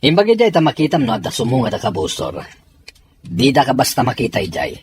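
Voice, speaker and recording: A man's voice: medium pitch, very animated, fast, slight background noise, lightly acted. A man playing a stern, suspicious soldier in a serial drama, with a firm, questioning manner. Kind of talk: Ilocano serial drama acting.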